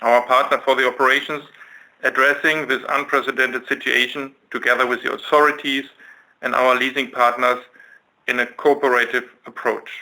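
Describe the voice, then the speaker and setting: A man giving a scripted financial results presentation as a chief executive, in a formal, measured manner. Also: mid-range voice, flat delivery, sharp tone, low-quality recording. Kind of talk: scripted financial presentation on an investor conference call.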